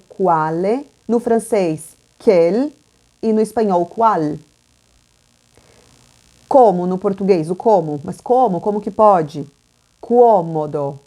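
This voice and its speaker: Female teacher, unhurried and mellow, repeats words aloud, casual asides. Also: on the low side. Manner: chatty asides with "né" and "tá". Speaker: language teacher. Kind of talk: informal video lesson.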